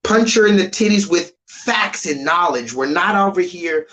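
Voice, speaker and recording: A man ranting on a live stream, profane and rambling, jumping between loud high outbursts and low muttered asides. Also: lively intonation, moderate pace, low-quality recording. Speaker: livestreamer.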